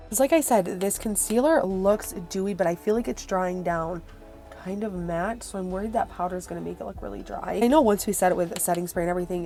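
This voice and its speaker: A woman speaks at an average pitch in a casual, chatty beauty-review style. Her voice is a little worn from being sick, and soft music plays behind her. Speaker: beauty vlogger. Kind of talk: casual product review chat to viewers.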